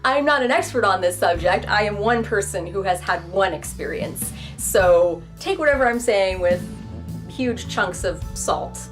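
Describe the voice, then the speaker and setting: A young woman talking straight to the camera in a relaxed, chatty way, poking fun at herself and slipping into quick playful asides. Her voice sits at an ordinary middle pitch. Music plays clearly behind her throughout. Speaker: vlogger. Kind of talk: casual talk to camera.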